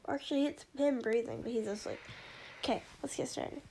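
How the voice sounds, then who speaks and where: A very high-voiced woman talks casually to her viewers as an amateur voice actor. She is recording at home, with some background room noise behind her. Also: a little fast, gravelly, warm tone. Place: at home, in a room with someone sleeping nearby.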